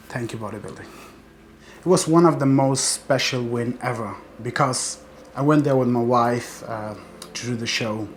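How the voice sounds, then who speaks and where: A man's voice: medium pitch, a little hiss or hum. A man from Afghanistan, a professional bodybuilder, telling his life story in an earnest, determined interview monologue.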